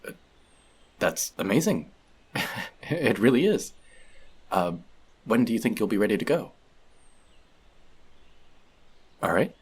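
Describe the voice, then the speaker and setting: A man's voice: fairly low pitch, sing-song, normal speed, slightly rough. A man playing an earnest, bookish elf outcast in an audio roleplay, confiding in a friend in a hesitant, self-doubting way. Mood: surprised, delighted. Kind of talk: scripted audio roleplay addressed to the listener.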